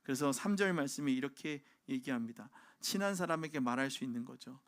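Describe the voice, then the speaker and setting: A man's voice: mid-range voice, brisk. A man preaching a sermon as pastor, telling everyday stories and acting out the voices of children, parents and neighbours. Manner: animated storytelling, acting out everyday dialogue in varied voices. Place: church sanctuary.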